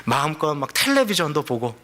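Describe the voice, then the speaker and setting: A man's voice: a little high, sing-song, fairly quick, bright, forceful tone. A male pastor giving a sermon in a conversational, storytelling way. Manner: conversational storytelling, acts out quoted voices.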